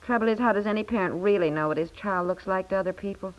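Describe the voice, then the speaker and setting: A woman's voice: medium pitch, fast talker, natural voice. An actress playing a protective, fretful American wife and mother, earnest and chatty, in a 1950s radio play. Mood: worried. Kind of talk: naturalistic 1950s American radio comedy-drama acting. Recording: muffled 1950s radio recording.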